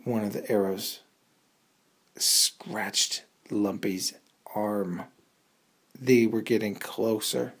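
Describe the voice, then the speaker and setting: A woman's voice: a bass voice, steady tone, extremely slow, long pauses, heavy background noise. A woman telling a suspenseful bedtime story for children in a dramatic, improvised way, repeating words for effect.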